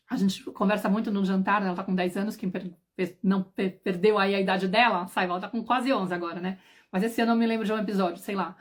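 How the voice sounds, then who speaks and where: A woman in her thirties or forties, a parenting mentor hosting a livestream, telling stories chattily with many asides. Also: medium pitch. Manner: chatty storytelling, many asides and tag questions. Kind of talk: casual livestream talk.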